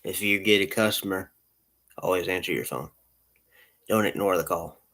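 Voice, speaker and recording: A man's voice: low voice, normal speed, pushed and bright. A man who runs a lawn care business, giving casual, rambling advice with lots of repeats and restarts.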